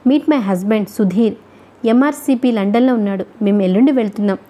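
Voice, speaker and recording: A woman voicing a boastful young woman classmate in a storybook reading, quick and chatty. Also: medium pitch, dark tone, natural voice.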